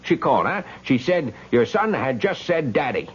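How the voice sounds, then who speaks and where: A man's voice: mid-range voice, very animated, moderate pace, husky, muffled recording. An actor playing a frantic young hood trapped in an old man's body, pleading and insisting with stammers in an old-time radio drama. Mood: urgent pleading.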